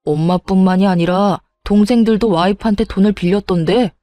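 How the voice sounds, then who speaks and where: A woman's voice: mid-range voice, a little fast, mellow, no echo, soft background music, lightly acted. A woman voicing a hot-headed grown son who whines and blames his mother in a storybook reading. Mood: exasperated. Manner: whiny, exasperated.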